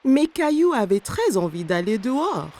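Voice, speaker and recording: A woman's voice: a little high, big pitch swings, normal speed, dark tone. A woman narrating a scripted children's story in a cartoon.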